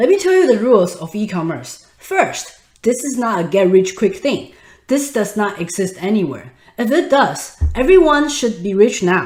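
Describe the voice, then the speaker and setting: A woman with a Taiwanese accent speaks at a moderate pace and a fairly high pitch, with very wide pitch swings. Audible room echo surrounds her voice. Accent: Taiwanese Mandarin accent in English. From Taiwan, then Los Angeles from age 14. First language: Mandarin. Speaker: online business course instructor. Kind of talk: online course lecture.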